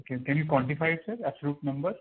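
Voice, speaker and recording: Raspy Indian man calling in by phone. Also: on the high side, rapid-fire. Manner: deferential, often saying sir. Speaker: caller, investor or analyst. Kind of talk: questions on an earnings call. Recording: tinny narrowband phone line.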